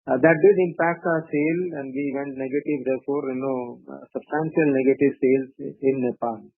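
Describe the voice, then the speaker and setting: A man presenting quarterly results on an earnings call, measured and full of "uh" and "you know". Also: medium pitch, fairly even intonation, no room sound. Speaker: company executive presenting results. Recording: tinny phone-line audio, dry.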